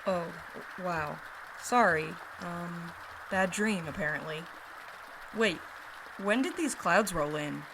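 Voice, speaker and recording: A woman's voice: fairly low pitch, slow pace. A woman playing a brusque, sarcastic young woman in an audio drama, talking in a blunt, casual way. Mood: groggy, startled. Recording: clear background ambient noise.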